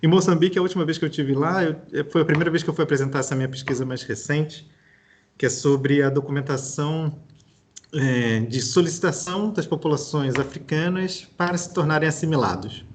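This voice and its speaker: A young man from Brazil with a Rio de Janeiro Portuguese accent appears as a guest historian on a casual podcast interview. His slightly high voice moves briskly as he thinks aloud and restarts his sentences, with slight background noise behind him.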